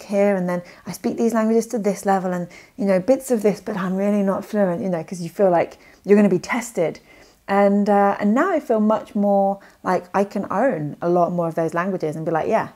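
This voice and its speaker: A young woman who vlogs about language learning talks to the camera in a casual talking-head video. Her medium-pitched voice is a little mellow, and she rambles with plenty of fillers and self-corrections.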